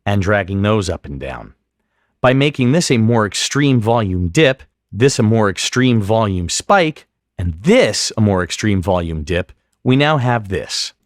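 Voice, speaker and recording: A man narrating a scripted software tutorial as an instructor, in a measured, explanatory way. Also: on the low side, no echo, studio quality.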